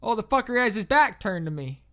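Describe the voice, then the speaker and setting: A man voicing an angry, belligerent Southern American property owner with a thick drawl, swearing and shouting. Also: high-pitched, fairly even intonation, normal speed, clear, resonant tone. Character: furious foul-mouthed Southern male property owner, drunk and trigger-happy.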